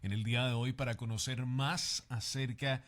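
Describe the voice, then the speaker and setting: A man's voice: mid-range voice, steady tone, normal speed, a bit bright. A man co-hosting a Christian radio show, introducing the guest politely with frequent fillers. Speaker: radio co-host.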